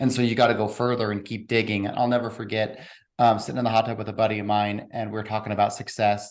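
Fairly even intonation marks the delivery. The pace is very fast. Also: man. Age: 30s. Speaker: author and entrepreneur. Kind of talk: interview.

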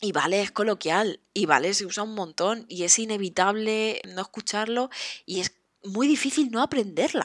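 Against a very clean recording with a silent background, a woman with an unremarkable speaking voice and medium pitch speaks at a moderate pace with lively intonation in a dry, close sound with no echo. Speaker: Spanish teacher podcaster. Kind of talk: casual educational monologue. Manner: informal, friendly.

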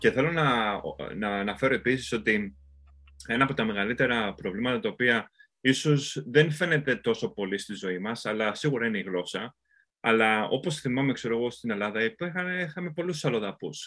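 With lively intonation and a fairly quick pace, an unremarkable speaking voice carries the words. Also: man, medium pitch for a man. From Greece, Peristeri, Athens. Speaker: podcast host. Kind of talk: casual chat.

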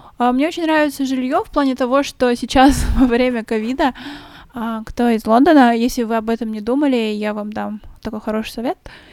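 A woman with a high pitch and ordinary pitch variation. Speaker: podcast co-host. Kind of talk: casual chat.

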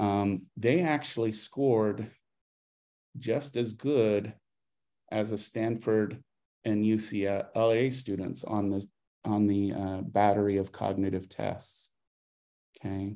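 A man with an American accent and a dark, mellow tone speaks at a very slow pace, pausing long and often. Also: fairly low pitch for a man, ordinary pitch variation. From US Mountain West. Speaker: college professor. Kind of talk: lecture. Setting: evening class with slides. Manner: hesitant, filler-heavy.

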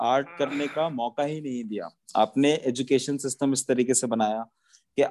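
This man has a plain, everyday voice at a medium pitch with ordinary pitch variation, recorded with a dry, close sound and no echo. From western Uttar Pradesh, India. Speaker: artist. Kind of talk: casual interview.

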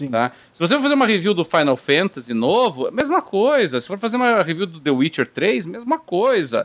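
Speaking at a fairly quick pace, a man uses a high pitch with very wide pitch swings. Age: middle-aged. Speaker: podcast host. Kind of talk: casual chat.

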